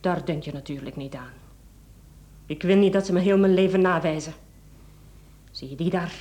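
An actress with a Flemish accent playing a cold, domineering, calculating wife in a radio play, commanding and clipped. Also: female voice, on the low side, normal speed, warm tone, natural voice. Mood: cold, scheming. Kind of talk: Dutch-language radio play acting.

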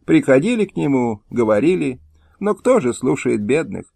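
A man's voice: mid-range voice, big pitch swings, moderate pace, gravelly, mellow, no room sound. A man voicing an old, poor male Jewish tailor who talks in a weary, resigned, pleading way in a historical audiobook. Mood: sorrowful. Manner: pleading, sorrowful.

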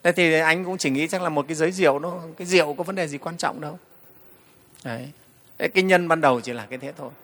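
Man, monk's sermon, storytelling, slightly high voice, hall reverb. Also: fast, a bit bright. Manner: storytelling, frequent "đấy" fillers, addresses the assembly. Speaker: Buddhist monk teacher. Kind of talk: dharma talk.

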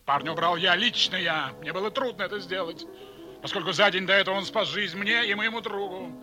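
An actor in an audio play voicing a proud, world-weary spymaster who talks in a sardonic, patronising way. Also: male voice, high-pitched, fairly quick, bright, forceful tone. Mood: grim confession. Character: weary, condescending European male spymaster, hard and proud. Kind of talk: dramatic audio play acting. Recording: music under the voice. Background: music.

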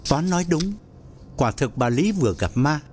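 A man narrating an audio story in a dramatic, expressive way. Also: a little high, normal speed, a little hiss or hum.

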